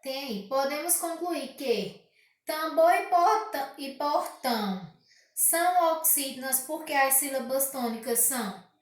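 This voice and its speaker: A woman with a high voice teaches a recorded grammar lesson to pupils. She reads each exercise aloud, stretching the key words and asking rhetorical questions. Her voice rings around a very echoey room. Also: lively intonation, unhurried, recorded from a distance.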